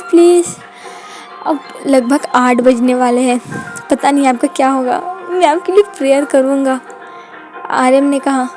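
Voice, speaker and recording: A woman narrating a fan fiction story aloud and reading all the characters' lines in her own voice. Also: sits high.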